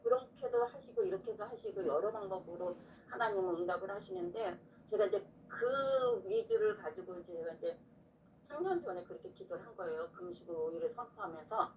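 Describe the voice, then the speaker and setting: A woman's voice: mid-range voice, very animated, brisk, darkish tone. A woman pastor telling an earnest, emotional personal testimony in a casual faith conversation. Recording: distant mic with faint background noise.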